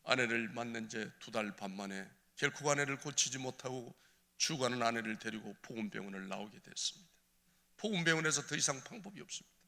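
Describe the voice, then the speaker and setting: A man giving an impassioned, tearful testimony as a church elder, swinging between hushed and crying out. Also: mid-range voice, animated, brisk, creaky. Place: church sanctuary. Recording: reverberant church hall.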